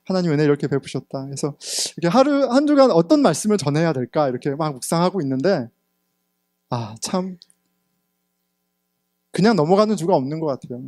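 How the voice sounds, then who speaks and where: Pastor guy in his 30s preaching, somewhat high voice, swings loud then quiet, dry close mic. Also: very animated, fairly quick, long pauses, no room sound. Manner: candid storytelling, sometimes laughing, swings between loud and hushed. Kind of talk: sermon. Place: church sanctuary.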